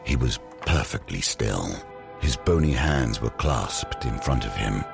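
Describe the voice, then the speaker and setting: A man playing the grave, ominous narrator of a gothic audio drama, deliberate and given to dramatic pauses. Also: rumbling low, animated, creaky, loud music behind the voice, full character voice.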